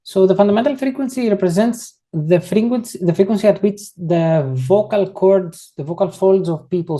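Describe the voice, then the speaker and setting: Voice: medium pitch, warm tone. An instructor giving an online coding tutorial, talking casually and explaining each step while often rephrasing mid-sentence, on a computer mic during a video call. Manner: frequently rephrases and corrects itself mid-sentence.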